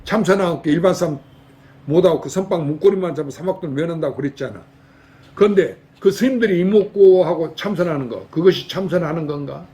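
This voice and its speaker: A man's voice: fairly high pitch, warm tone. An older man from Jeolla, a Buddhist monk giving a folksy dharma talk in a temple hall and quizzing his lay audience with rhetorical questions. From Jeolla, South Korea.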